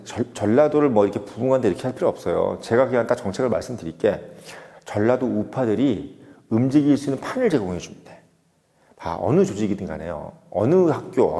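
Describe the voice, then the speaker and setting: A man's voice: medium pitch, dark tone. Emphatic man lecturing in a reverberant room. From Seoul. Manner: emphatic, lecturing with rhetorical questions. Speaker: political commentator. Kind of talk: opinion monologue.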